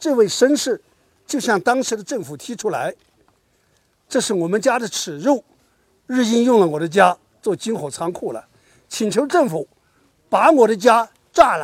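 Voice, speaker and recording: A man's high voice at a moderate pace, with long, frequent pauses, big swings in loudness and very wide pitch swings, in a dry, close sound with no echo on a very clean recording with a silent background. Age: old. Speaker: independent historian. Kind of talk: outdoor history lecture to students. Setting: outdoors at a battlefield site.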